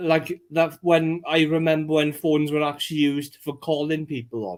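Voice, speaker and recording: A man with an English accent speaks at a moderate pace and fairly high pitch. His intonation is fairly even. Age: 30s. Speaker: live stream chat participant. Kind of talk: casual chat.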